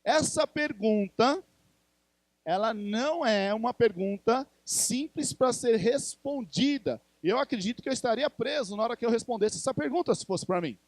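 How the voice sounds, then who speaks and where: Brazilian pastor guy, high voice, dry sound, talks to the church like a chat, keeps asking questions. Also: expressive, normal speed, no room sound. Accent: Brazilian Portuguese. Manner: conversational, asks the congregation questions. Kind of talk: sermon.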